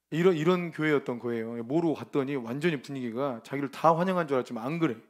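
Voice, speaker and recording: A man preaching a lively, informal sermon at a ministry training, emphatic and colloquial, often breaking into laughter. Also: a little high.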